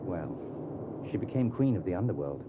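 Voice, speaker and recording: Very deep, mysterious stranger. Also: male voice, very animated, normal speed. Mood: musing, ominous. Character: mysterious, cultured male stranger with dark lingering interest. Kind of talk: audio drama acting. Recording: dull, very noisy audio.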